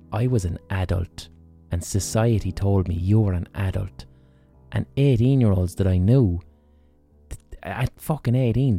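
An Irish man in his thirties hosts a solo podcast, speaking bluntly and emphatically and swearing often. His voice sits low with a dark tone.

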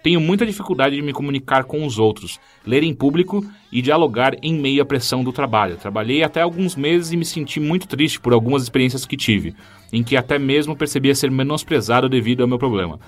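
Fast-talking Brazilian man, podcast co-host. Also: mid-range voice, expressive. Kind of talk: casual conversation and reading listener mail. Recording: music behind.

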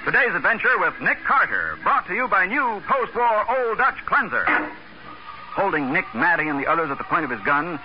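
A man's voice: sits high, sing-song, normal speed. A man narrating as a dramatic announcer for a 1940s radio mystery. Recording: muffled old radio recording. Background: loud music.

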